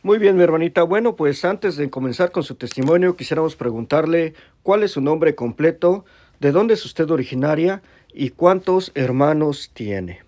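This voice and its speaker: A man's voice: a little high, animated, moderate pace, a little mellow, dry recording. A man hosting a Catholic testimony channel, exhorting the listener directly and then interviewing a caller. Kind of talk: preaching introduction and interview.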